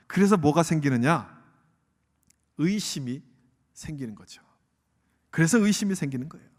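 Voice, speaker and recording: A male pastor delivering a sermon, often posing rhetorical questions to the congregation. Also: high-pitched. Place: church sanctuary. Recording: long church hall reverb.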